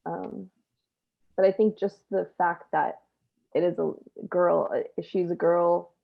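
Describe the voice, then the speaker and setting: A woman's voice: fairly low pitch, fairly even intonation, slow pace, vocal fry. A woman performer chatting casually as a panel guest, heard over thin, narrow video-call audio.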